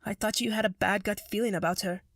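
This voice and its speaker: A woman's voice: mid-range voice, fairly even intonation, fast talker, a bit bright, dry recording, studio quality. A woman playing an earnest, concerned and clever young boy in an audio drama.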